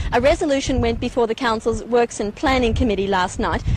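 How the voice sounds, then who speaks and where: Against light background noise, a woman talks at a fairly quick pace with a high pitch and ordinary pitch variation, in a dry sound with no echo. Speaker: TV news reporter. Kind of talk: news report piece to camera. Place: street. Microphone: handheld.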